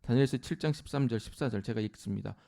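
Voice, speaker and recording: A man's voice: quick pace, creaky. A man preaching a sermon in church, explaining scripture and acting out lines with rising force. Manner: animated preaching, shouting scripture at peaks, then dropping low. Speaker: pastor. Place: church sanctuary.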